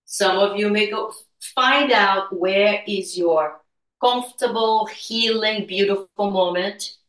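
A woman teaching guided meditation and gentle movement in a soothing, unhurried, spiritual healer-like manner. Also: mid-range voice. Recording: echoey room, distant from mic.

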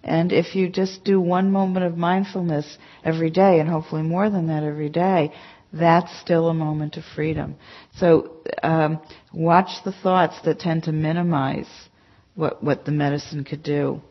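A low-voiced woman teaches a meditation class in a chatty, emphatic way, scattering "you know" through her points. The recording is dull and lo-fi, with the top end muffled. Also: fairly even intonation, normal speed. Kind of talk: conversational dharma talk to a class. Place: meditation center hall.

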